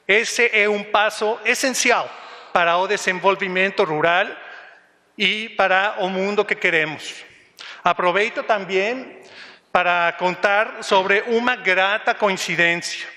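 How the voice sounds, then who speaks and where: Man, high voice, measured prepared speech, large reverberant hall. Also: sharp tone. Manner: measured reading with some restarts. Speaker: UN agency representative. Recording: distant mic in a reverberant hall.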